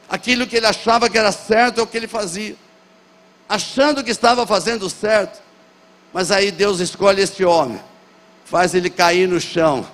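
A man from Brazil preaches to a congregation with a high-pitched voice. He talks emphatically, repeating phrases for effect. His words ring out with a long reverb in a church hall. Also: a bit bright. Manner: addresses congregation directly. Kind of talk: Pentecostal sermon.

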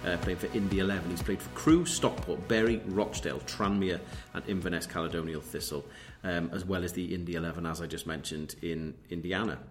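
Low-voiced male podcast host. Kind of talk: podcast intro and interview questions.

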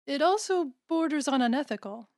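A woman plays a caring female campus counsellor in an audio drama. Her voice sits a little high and is closely recorded without room sound. She speaks in a measured, gently probing way. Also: lively intonation, dry recording, studio quality. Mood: concerned. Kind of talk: audio drama acting, naturalistic dialogue.

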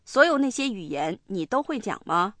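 A woman hosting a radio language lesson, explaining slowly and spelling words out one letter at a time. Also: medium pitch, sing-song, a bit bright, dry recording. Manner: slow, deliberate explaining and spelling. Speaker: language program host. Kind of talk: bilingual lesson narration.

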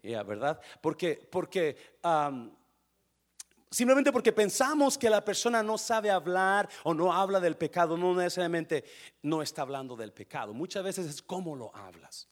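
Male preacher, sermon, high-pitched, very animated, questions to the congregation, English words slipped into Spanish. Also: normal speed. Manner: swings from quiet asides to loud bursts. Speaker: pastor.

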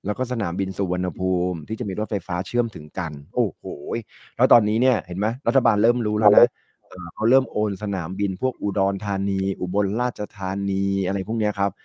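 A man's voice: on the low side, fairly quick, warm tone, dry recording, lo-fi sound. Man, middle-aged, congested from a cold, rambling chatty talk, dry sound. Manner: rambling, chatty, laughs often. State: stuffy nose from a cold. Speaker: market analyst guest. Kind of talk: casual talk show chat.

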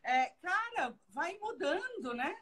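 Casting: Brazilian-accented woman, high and bright voice, colloquial, agreeable conversationalist with frequent tag questions. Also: big pitch swings, slow. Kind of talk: casual chat.

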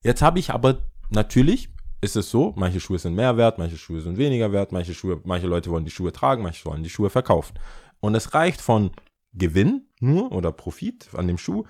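A man, a guest on a podcast, telling a casual story in an animated way and dropping English slang into his talk. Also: fairly low pitch, moderate pace.

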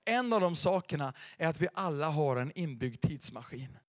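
Middle-aged pastor guy preaching, high voice, big loud-soft swings, dry close sound. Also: dry recording. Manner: lively, dramatic delivery with sudden loud and soft swings. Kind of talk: sermon. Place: church.

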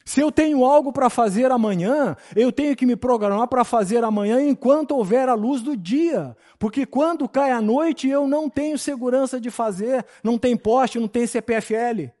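A high-pitched man gives a classroom Bible lecture. He teaches in a preachy manner, often turning to the class to ask whether they follow and agree. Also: moderate pace, few pauses, darkish tone. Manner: preachy, addresses class with frequent checks for agreement.

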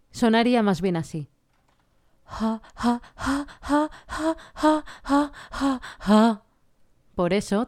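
A woman vocal coach explaining singing technique in a clear, patient way. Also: lowish voice, dark tone. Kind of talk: singing lesson with sung vocal examples.

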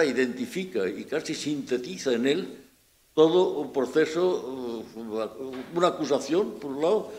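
A man's voice: medium pitch, darkish tone. A man with a Peninsular Spanish accent speaking informally at a book presentation, hesitant and often restarting his words, with a critical, ironic edge. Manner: hesitant, repeats and restarts words, searching phrasing. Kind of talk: informal public talk.

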